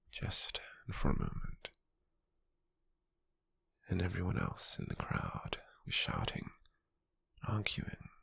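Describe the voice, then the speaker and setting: Guy doing a cold possessive slave merchant, british, asmr roleplay, super low husky voice, takes his time, formal n condescending. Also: no room sound, full character voice. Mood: intrigued, musing. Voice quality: breathy, gravelly, half-whispered. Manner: slow, measured, formal, condescending. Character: cold, possessive male slave merchant, controlling yet intrigued captor. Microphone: close microphone, dry.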